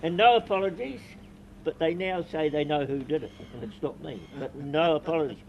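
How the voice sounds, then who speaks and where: Blunt, higher-voiced man amid outdoor crowd chatter. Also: brisk, creaky, muffled recording. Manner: blunt, aggrieved. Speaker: local landlord speaking as a protester and interviewee. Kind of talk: spontaneous public remarks and interview answers.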